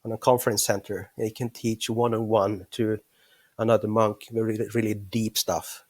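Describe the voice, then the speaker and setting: A man's voice: lowish voice, level tone, moderate pace, a little mellow, dry recording. A man in his fifties with a Norwegian accent, a monk speaking as a guest, hesitant and searching for words, often chuckling. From western Norway. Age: 50s. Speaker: guest, Buddhist monk and teacher. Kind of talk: casual interview chat.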